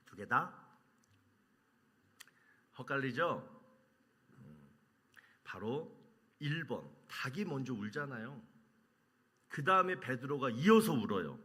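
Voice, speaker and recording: A man preaching a sermon as pastor, quizzing the congregation and answering his own questions, moving between loud emphasis and hushed lines. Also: mid-range voice, very animated, takes it slowly, pauses often, breathy edge. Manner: asks the congregation questions and answers them himself.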